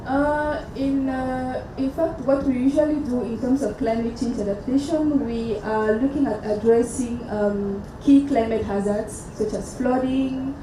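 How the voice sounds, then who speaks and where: A woman answers on a conference panel in a measured, halting way, filling pauses with ums. Her slightly high voice is caught from a distance in a very echoey hall. Steady noise runs underneath. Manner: measured, halting with many fillers. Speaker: panelist from a conservation group.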